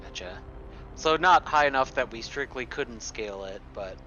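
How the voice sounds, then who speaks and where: A man's voice: mid-range voice, animated, moderate pace, over loud music. A man playing a tabletop game, casually and thoughtfully talking through tactics on a slightly muffled voice track. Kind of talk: casual in-game planning chat. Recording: slightly dull, band-limited voice track.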